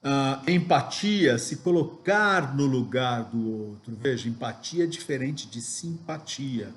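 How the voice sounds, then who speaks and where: Male sales trainer, unhurried didactic delivery, rhetorical questions, mid-range voice. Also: medium pitch, expressive. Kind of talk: recorded training lesson.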